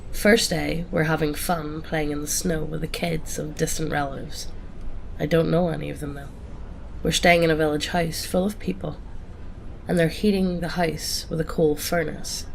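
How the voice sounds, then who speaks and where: Woman with a cold for calm horror-story narration, deep and gravelly. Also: a little hiss or hum, poor audio. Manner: calm first-person storytelling. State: has a cold. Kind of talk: reading a greentext horror story.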